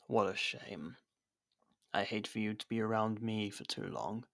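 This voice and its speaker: Captive royal played by a man: haughty, sardonic ASMR drama role; low-pitched, unhurried, full of theatrical pauses. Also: creaky. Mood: dry sarcasm. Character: captured haughty royal, sarcastic rival hiding affection. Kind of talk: ASMR roleplay acting.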